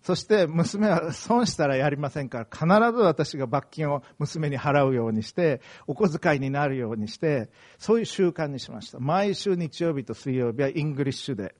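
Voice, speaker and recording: A man's voice: fairly high pitch, lively intonation, normal speed, hardly any pauses. A middle-aged man from Okayama preaching a sermon, earnest and emphatic, telling personal stories. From Okayama, Japan. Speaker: pastor.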